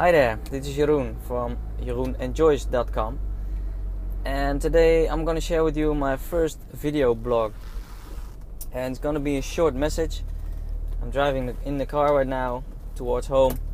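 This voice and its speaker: Over light background noise, a man speaks at a fairly slow pace with long, frequent pauses, in a dry sound with no echo. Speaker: lifestyle vlogger. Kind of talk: casual vlog chat. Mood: calm, motivational. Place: car. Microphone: earbuds.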